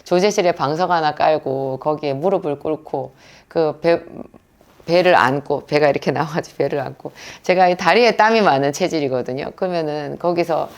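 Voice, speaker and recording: A woman's voice: low voice, vocal fry, a little mellow. A middle-aged woman, a pharmacist who teaches prayer, telling her own story in a sermon-style talk and acting out the prayers she quotes.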